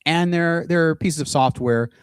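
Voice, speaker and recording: A middle-aged man talking to camera in a casual monologue, halting often with restarts and pauses while he shares his screen. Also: fairly high pitch, clean tone, dry recording, studio quality. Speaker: aspiring singer and video host. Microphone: computer mic with screen sharing.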